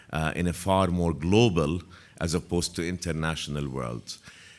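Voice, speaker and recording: In an Arabic accent, a man speaks at a very deep, low pitch with ordinary pitch variation. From Jordan. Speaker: university administrator and author. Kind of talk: book launch talk. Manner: hesitant with frequent fillers.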